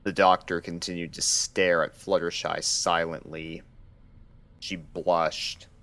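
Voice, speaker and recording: A man reading scripted story narration as the narrator of a dark fan fiction. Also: deep voice, level tone, slow.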